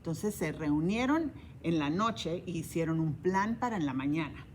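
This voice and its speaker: A woman's voice: low-pitched, lively intonation, moderate pace, slight background noise. A woman librarian reading a children's story aloud, each line in English then Spanish, with animal sounds.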